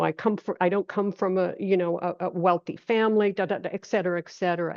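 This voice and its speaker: A woman's voice: lowish voice, gravelly, dry recording, highs cut off. A woman in her seventies from coastal Maine, answering as an interview guest in a conversational way, repeating phrases for emphasis. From island off the coast of Maine, USA. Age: 70s. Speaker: podcast guest, holistic health teacher.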